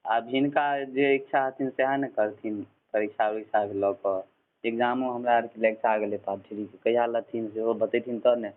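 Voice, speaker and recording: A man's voice: medium pitch, fairly even intonation, normal speed. A male student phoning an official, asking questions and answering with short acknowledgments. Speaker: student caller. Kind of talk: phone conversation. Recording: tinny phone line.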